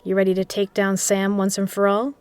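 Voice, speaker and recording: Casting: actress for a shrewd underground casino boss and poker legend, medium-pitched, measured and persuasive, for an audio drama. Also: female voice, completely flat delivery, darkish tone, smooth, dry recording, natural voice. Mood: resolute, persuasive. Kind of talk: scripted audio drama dialogue.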